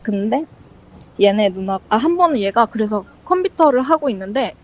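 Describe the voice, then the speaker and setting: A woman's voice: fairly high pitch, animated, moderate pace. A woman rambling through a ghost story. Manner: rambling, many fillers, acts out quoted lines. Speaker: guest storyteller. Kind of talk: casual spoken ghost story. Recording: dull lo-fi sound.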